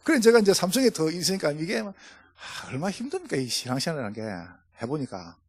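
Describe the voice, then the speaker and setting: A middle-aged man with a Gyeongsang Korean accent, preaching a humorous sermon to fellow pastors with lively storytelling. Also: fairly high pitch, fairly quick, slightly rough, no echo. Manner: storytelling, jokey, animated. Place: church.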